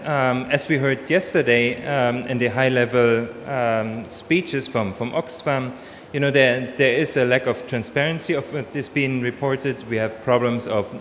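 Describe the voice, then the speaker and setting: A man's voice: mid-range voice, fairly bright tone, a little hiss or hum. A man in his forties with a German accent, presenting hesitantly at a conference podium with many ums and restarts. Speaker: conference panel speaker. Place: large conference hall, standing at a podium. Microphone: podium microphone. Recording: long hall reverb, faint ambience.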